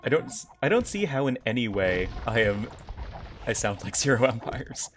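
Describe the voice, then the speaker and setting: A man's voice: mid-range voice, sing-song, normal speed, a bit bright. A young man casting a strategy game live and chatting loosely with his viewers. His voice sits in a middle range, and there is a faint hiss behind it. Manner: casual, chatty, reacts to chat. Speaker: game caster. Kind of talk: live stream commentary.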